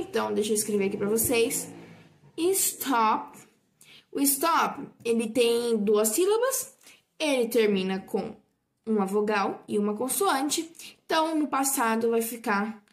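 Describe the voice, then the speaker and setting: A Portuguese-speaking woman teaching English grammar in an online lesson, patient and repetitive, often correcting her own slips. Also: a little high. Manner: patient, repeats points and asks for repetition; frequent slips and self-corrections.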